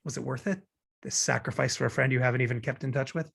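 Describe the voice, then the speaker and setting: Romantic comedy lead, man acting: glib, argumentative young man, husky fry-laden voice, very lively delivery. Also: medium pitch, fast talker. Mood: defensive, animated. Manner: glib, opinionated, rambling justifications. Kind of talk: table read of romantic comedy script.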